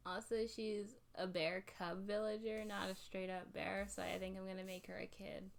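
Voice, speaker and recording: A woman's voice: medium pitch, little pitch movement, moderate pace, gravelly. A woman chatting playfully with a friend while drawing on a stream, teasing and laughing often. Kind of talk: casual drawing stream chat.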